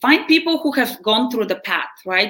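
This woman speaks at a moderate pace with a Bulgarian accent and a bright, sharp tone. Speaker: body mind coach and founder. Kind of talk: casual interview chat.

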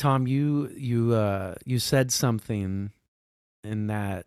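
A man with a fairly low pitch in a very clean recording with a silent background and a dry, close sound with no echo. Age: 40s. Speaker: podcast host. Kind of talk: casual interview chat. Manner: energetic, enthusiastic.

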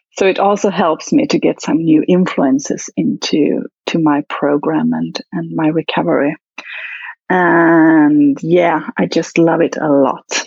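In a Swedish accent, a woman speaks with a very deep, low pitch and ordinary pitch variation. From Sweden. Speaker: listener leaving voice message. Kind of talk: recorded voice message.

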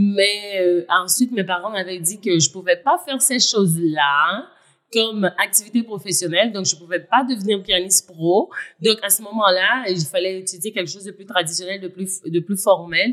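A woman speaks at a moderate pace in a normal speaking voice. Her pitch is medium, with ordinary variation. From Haiti. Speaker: image consultant. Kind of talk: interview.

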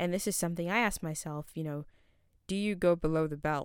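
In a very clean recording with a silent background, the speaker has an American accent and ordinary pitch variation. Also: woman. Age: 20s. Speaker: podcast host. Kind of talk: solo podcast monologue. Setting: home closet. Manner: casual, filler-heavy.

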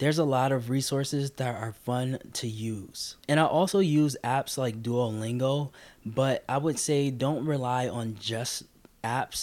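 This is a plain, everyday voice from a man with a medium pitch and fairly even intonation. The recording is very clean, with a silent background. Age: 30s. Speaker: podcast host and YouTuber. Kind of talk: casual monologue.

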